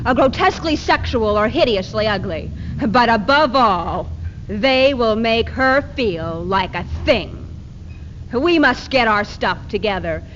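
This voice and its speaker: A woman performing a defiant feminist in readers theater, with emphatic, declamatory delivery on an old hissy archive tape. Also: fairly high pitch. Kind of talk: dramatic readers theater recitation. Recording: muffled 1970s archive tape with hiss.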